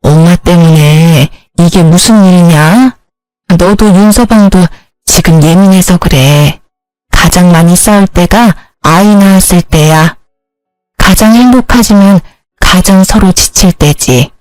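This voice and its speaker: A woman voicing a gentle, meek elderly mother who speaks in soft, apologetic, soothing words. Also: fairly low pitch, unhurried, no echo, lightly acted, low-quality recording. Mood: consoling.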